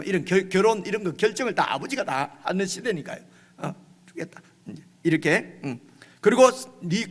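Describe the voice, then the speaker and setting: A man's voice: high-pitched, fairly bright tone, in a large hall. A male pastor preaching a midweek sermon in a conversational way, often asking the congregation "right?" and acting out quoted lines. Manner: acts out quoted lines with rising intensity. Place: church sanctuary.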